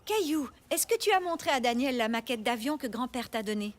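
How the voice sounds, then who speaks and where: A woman's voice: on the high side, expressive, a little fast, natural voice. A woman playing a playful, helpful mother of a little boy in a children's cartoon.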